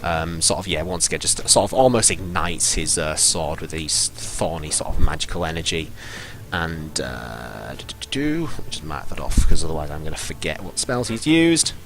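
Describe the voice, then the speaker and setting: Low-voiced man running a tabletop game. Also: lively intonation, a bit bright, a little hiss or hum. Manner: halting, full of ums and sort-ofs. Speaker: game master. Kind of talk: narrating a tabletop game on a live stream.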